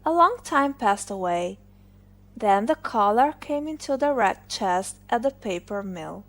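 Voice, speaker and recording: Slow-paced, higher-voiced woman storyteller. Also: lively intonation. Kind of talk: scripted fairy-tale narration for English learners.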